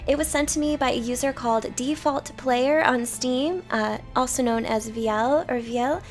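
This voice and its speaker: Let's play host: woman, higher-pitched voice, narrating a story game over faint music. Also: moderate pace. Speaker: gaming channel host.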